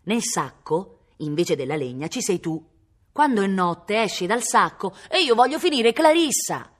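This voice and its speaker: A woman voicing rough young men who bully a bandit, insistent and taunting. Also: medium pitch, very animated, unhurried, pitched above the performer's own voice.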